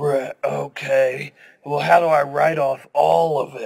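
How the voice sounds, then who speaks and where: In a put-on character voice, a man growls with a raspy, fairly high-pitched sound at a fairly slow pace. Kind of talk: prank phone call role play. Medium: role play. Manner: growling.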